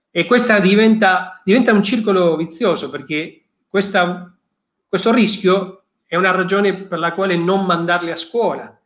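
A man talks at a moderate pace. His pitch is high. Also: fairly even intonation. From Argentina. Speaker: charity director. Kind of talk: interview.

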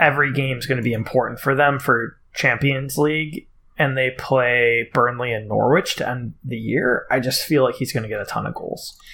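A man's unremarkable speaking voice at medium pitch, moderate pace and fairly even intonation, with hardly any pauses, on a very clean recording with a silent background. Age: 30s. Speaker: fantasy football podcast co-host. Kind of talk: casual chat.

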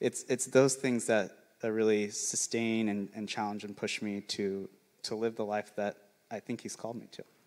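In an American accent, a man talks at a moderate pace in a fairly low, monotone, flat voice. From US (Detroit, then St. George, Utah). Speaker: churchgoer sharing testimony, education entrepreneur. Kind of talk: testimony. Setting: church stage with congregation.

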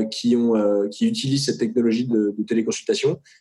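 His voice has a dark, mellow tone. This man talks at a medium pitch. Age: 20s. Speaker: employee of a health-tech company. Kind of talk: interview. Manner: hesitant, many fillers.

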